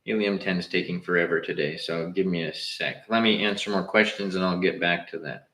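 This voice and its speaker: A young man with a Southern Californian accent chats loosely and slangily, answering viewers on a live stream. His voice sits a little low. The room around him rings with echo. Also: fairly even intonation, brisk, bright, forceful tone. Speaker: livestream host. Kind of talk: casual livestream chat.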